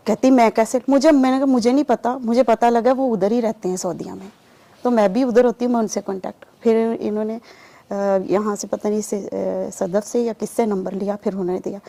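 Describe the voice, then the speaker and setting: A woman giving a personal testimony in an interview, telling her story in a lively way and acting out the remembered dialogue. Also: mid-range voice, brisk, gravelly. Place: lives in Saudi Arabia.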